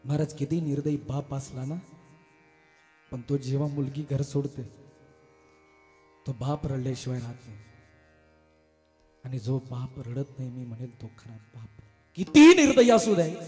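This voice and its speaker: Impassioned kirtan preacher, man. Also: mid-range voice. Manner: impassioned, swings from soft talk to loud chanting. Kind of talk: devotional kirtan sermon. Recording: echoey hall with music.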